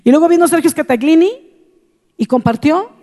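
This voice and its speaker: A woman pastor shares her testimony from the pulpit, telling it earnestly and repeating key phrases for weight. Her voice is mellow and dark in tone. The sound carries a long reverb, as in a large hall. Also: high voice, brisk. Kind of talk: testimony in a sermon.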